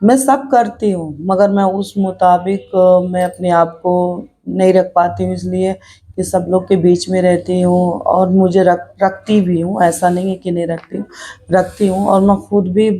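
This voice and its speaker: A middle-aged woman addresses her vlog audience directly, sincere and thoughtful, often repeating points as she shares her views. Her voice is mid-range with a dark tone.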